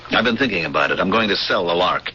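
An actor playing a haunted veteran spaceship pilot in 1970s radio drama, pleading and obsessive, with intense, halting, stammered repetitions. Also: male voice, deep voice, expressive, sharp tone. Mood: earnest pleading. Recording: dull, noisy old radio broadcast.

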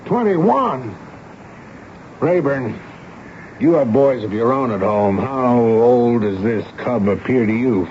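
Commanding army major, vintage radio. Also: male voice, medium pitch, animated, slow. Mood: probing. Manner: commanding, interrogating, clipped. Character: stern army major, authoritative, later fatherly. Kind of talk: 1970s radio drama acting. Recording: dull, noisy vintage radio broadcast.

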